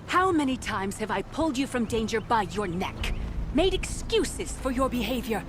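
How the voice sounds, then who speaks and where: A woman's voice: fairly high pitch, big pitch swings, normal speed, noisy background. A woman playing an exasperated, protective tribal chieftain in a video game, scolding with emphatic delivery. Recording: music behind the voice. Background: loud music.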